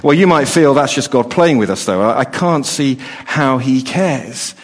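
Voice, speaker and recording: A man's voice: medium pitch, lively intonation, unhurried. A middle-aged man preaching a sermon, earnest, often restarting and repeating words as he talks. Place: church hall. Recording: long reverb of a hall.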